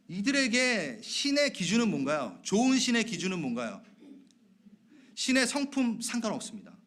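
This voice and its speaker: A man preaching a sermon as pastor of a church, talking conversationally with his congregation, asking them questions and dropping from loud emphasis to soft whispered asides. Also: high voice. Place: church sanctuary.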